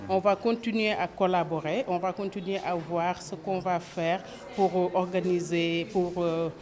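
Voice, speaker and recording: A woman who took part in a training, answering interview questions with hesitant pauses. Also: on the low side, steady tone, a little mellow. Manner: hesitant, with fillers. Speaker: training participant.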